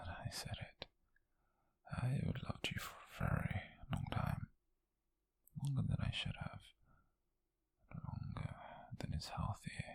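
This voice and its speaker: Man acting a gravelly whispering British obsessive admirer. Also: fairly low pitch, no echo, heavily acted. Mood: confessional, longing. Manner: slow, intimate, brooding, with heavy pauses. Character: obsessive, possessive lovesick male co-worker turned captor. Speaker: ASMR roleplay performer. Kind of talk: whispered ASMR roleplay monologue. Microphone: close-up, dry microphone.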